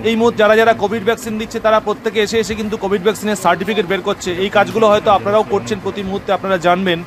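A young Bengali-accented man talks very fast in a high voice, keeping his pitch fairly flat and even. He explains things in a brisk, instructive way. Faint street noise sits behind him. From West Bengal, India. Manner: brisk, instructive, addresses viewers as friends. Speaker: cyber cafe owner and channel host. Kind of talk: explanatory voice-over narration.

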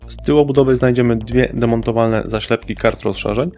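A man reading a scripted product review voice-over in a precise, measured technical way, over soft music. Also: medium pitch, fairly even intonation. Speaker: hardware reviewer.

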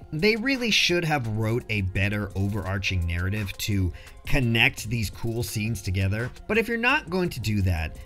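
A man's voice: mid-range voice, a bit bright. A man narrating a casual scripted film review in a jokey, slangy way.

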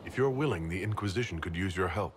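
A deep-voiced male leader in a fantasy video game. He is composed, diplomatic and reassuring, with measured delivery over clear ambient noise. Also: lively intonation. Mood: calm, encouraging.

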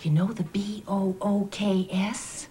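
A woman playing a secretive mother in a children's TV sketch, speaking in a hushed, deliberate way. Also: mid-range voice, steady tone, lightly acted. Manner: hushed, deliberate, spells words letter by letter. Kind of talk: scripted children's educational TV sketch. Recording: noisy vintage 1970s TV soundtrack.

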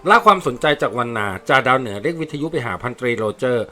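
A man reading a war novel aloud as narrator, with steady storytelling. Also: medium pitch, fast talker, soft background music. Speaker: audiobook narrator.

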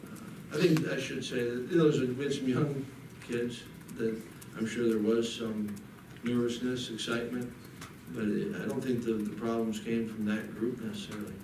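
A middle-aged man, a head coach at a postgame press conference, talking haltingly with many restarts into a desk mic. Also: medium pitch, steady tone. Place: press room in front of a backdrop. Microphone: table mic on a desk. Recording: echoey room, mic a bit far, audible noise.

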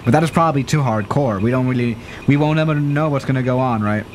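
This young adult male talks fast at a medium pitch, with a bit of hiss or hum in the audio. Streaming a flight sim from a small room into a studio mic on his desk, he chats freely, gets excited, and grows flustered when things go wrong.

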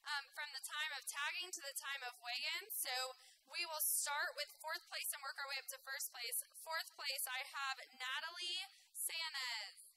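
A woman's voice: high voice, normal speed, pushed and bright, low-quality recording. A woman makes announcements to an audience as the announcer at a live event. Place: indoor livestock show arena. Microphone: event microphone.

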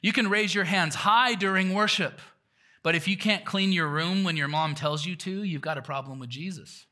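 Bright-voiced, animated male pastor preaching. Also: high-pitched, moderate pace. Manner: conversational preaching, animated, laughs at himself. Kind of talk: sermon.

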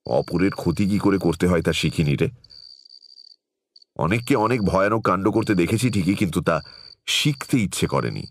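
A man playing a grave, caring tantric storyteller in a dramatized horror audio story, speaking in a measured, solemn way. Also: low-pitched, animated. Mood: earnest, concerned. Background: background music.

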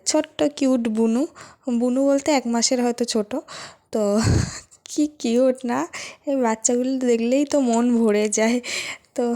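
A woman vlogger chatting casually to her viewers, narrating her day in a friendly, talkative way. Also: a little high. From Bengal. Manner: talks softly so the child keeps sleeping. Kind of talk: casual vlog voice-over.

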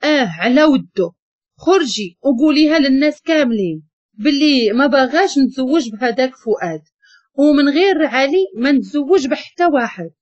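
A woman's voice: high-pitched, normal speed, a little mellow, no echo. A woman voicing a young bride-to-be who is tearful, angry and defiant, with a Moroccan accent. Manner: angry, snapping. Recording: dull lo-fi recording.

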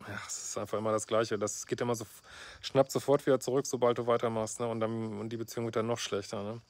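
A man's voice: medium pitch, little pitch movement, fast, no room sound. Blunt, sarcastic male therapist vlogger. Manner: blunt, sarcastic, frequent "ne?" tags and fillers. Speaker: couples therapist commenting on a viewer's letter. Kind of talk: casual reaction vlog, reading out and commenting.

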